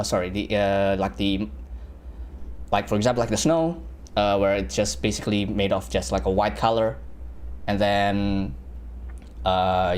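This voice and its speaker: A young Indonesian VFX artist teaches visual effects on a livestream through a live screen-share software tutorial, talking casually with lots of fillers and self-corrections. His voice is lowish and darkish, with a little hiss or hum in the audio.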